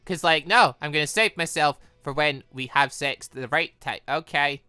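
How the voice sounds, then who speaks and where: A woman giving excitable video game commentary as a let's play host, reacting out loud with exclamations. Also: low voice, moderate pace, clean tone, no echo.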